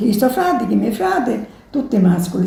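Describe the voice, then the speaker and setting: A woman is speaking. Noticeable background noise and audible room echo fill the recording. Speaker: grandmother sharing memories. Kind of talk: interview testimony.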